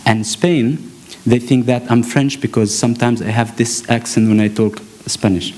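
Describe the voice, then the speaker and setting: A man from Palestine, giving an earnest conference talk, often pausing and restarting as he searches for words. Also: mid-range voice, fairly even intonation, a little mellow, slight background noise. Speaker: actor and panel speaker. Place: conference hall stage.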